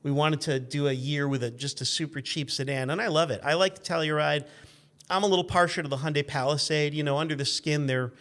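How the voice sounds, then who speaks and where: A man's voice: on the high side, steady tone, quick pace, fairly bright tone. A man in his fifties chatting casually as a guest, telling anecdotes in a self-deprecating, joking, rambling way. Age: 50s. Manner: rambling, digressive. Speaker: guest, car magazine editor and former radio intern.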